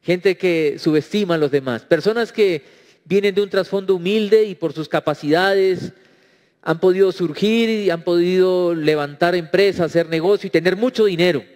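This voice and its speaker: A man's voice: high voice, normal speed, a little mellow. A man preaching a sermon as pastor, emphatic and acting out quoted prayers. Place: church. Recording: reverberant church hall.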